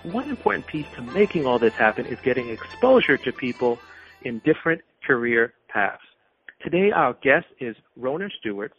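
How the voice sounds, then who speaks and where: A man's voice: mid-range voice, no room sound. Formal male radio host, dull sound. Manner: scripted, formal introductions. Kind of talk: radio interview hosting.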